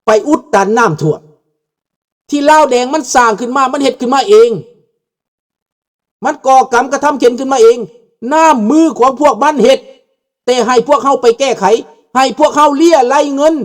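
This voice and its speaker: A man's voice: extremely high pitch, moderate pace. An older man giving a fiery political talk, mixing Thai and Lao and often asking the audience questions. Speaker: political commentator. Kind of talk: impassioned political monologue. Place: abroad, outside Laos.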